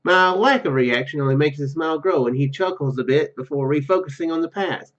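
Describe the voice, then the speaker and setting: Casting: male gaming host, fairly high voice, reads story text with casual asides, slightly dull recording. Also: brisk, fairly bright tone. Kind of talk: reading game narration aloud with casual commentary.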